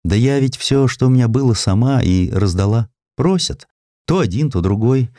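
A man's voice: mid-range voice, lively intonation, moderate pace, dark tone, no room sound, clean studio sound, pitched above the performer's own voice, natural voice. A man voicing a frail, humble, pious elderly widow with folksy old-fashioned speech in an audiobook. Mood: resigned, plaintive.

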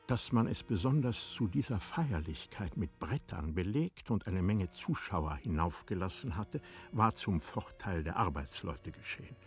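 A man narrating a literary radio drama in a measured, formal storytelling manner. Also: low voice, animated, faint music behind.

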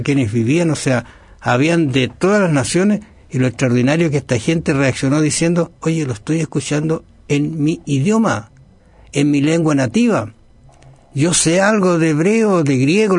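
A man co-hosting a Bible study program, explaining in a calm, steady way. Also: medium pitch, gravelly, breathy edge, no room sound. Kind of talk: conversational Bible study dialogue.

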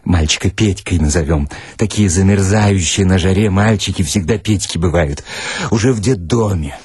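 Casting: male narrator, lowish husky voice, dramatic delivery of comic literary prose. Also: dry recording, clean studio sound. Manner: expressive, dramatic, deliberate. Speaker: narrator, reader. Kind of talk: theatrical first-person literary story reading.

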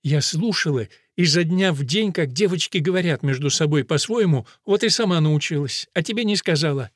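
A man's voice: on the high side, lively intonation, fairly quick, no room sound. Man doing a sly stubborn young woman, pleading, soothing, dry recording.

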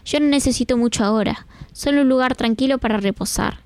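A woman's voice: a little high, fast, darkish tone, dry recording, voice pushed up, close to an everyday voice. A woman voicing a boy who grows into a tired old man, in a children's radio story read in a plain, asking tone. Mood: wanting.

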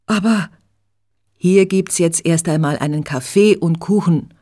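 Lady reading as a friendly young gal explaining stuff, slow and a bit low, storybook voice. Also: mellow. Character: young woman, cheerful local friend.

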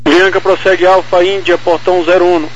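A Brazilian man works as an air traffic controller on the radio. His voice sits high and barely varies as he delivers clipped procedural callouts. The channel is dull, with a faint layer of noise. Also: little pitch movement, fairly quick. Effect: aviation radio.

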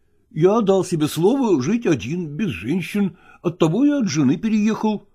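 A man's voice: high voice, very animated, moderate pace, mellow, breathy edge, exaggerated voice. A man reading aloud, voicing an evasive actor who nervously wriggles out of his lover's pleas. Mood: flustered. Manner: evasive, flustered, sighing.

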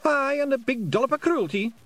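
A man voicing a tiny, nervous male pixie warrior with a high, squeaky Scottish brogue. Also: animated, fairly quick, fairly bright tone. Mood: chatty.

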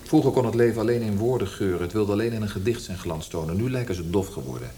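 A thoughtful, disillusioned poet played by a man talks in a low, dark, mellow voice. He is reflective and dryly ironic, in the natural manner of radio drama. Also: expressive, quick pace, a little hiss or hum, natural voice. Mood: weary, earnest. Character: disillusioned Austrian poet, thoughtful and wry husband.

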